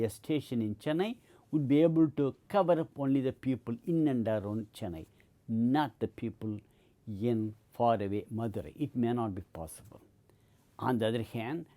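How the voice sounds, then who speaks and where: A man's voice: mid-range voice, mellow. A middle-aged man giving an explanatory lecture, often repeating and restarting his points. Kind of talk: educational lecture.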